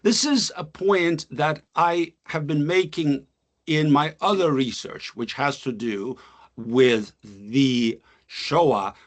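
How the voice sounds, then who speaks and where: A man, a poet and scholar whose first language is Russian, reads his own poem solemnly and then lectures with many pauses on a video call. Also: on the high side. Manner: measured, solemn recitation with long pauses; thoughtful academic talk with many filler uhs. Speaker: guest speaker, poet and scholar.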